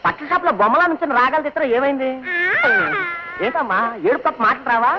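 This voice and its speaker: An actor playing a bossy, teasing village police constable in a comic film scene. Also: male voice, extremely high pitch, quick pace, very noisy. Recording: lo-fi old film soundtrack, crowd behind.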